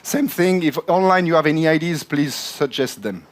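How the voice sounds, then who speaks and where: A man moderating a conference session, speaking as an in a halting, filler-heavy way. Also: a little high. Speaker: panel moderator. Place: conference room.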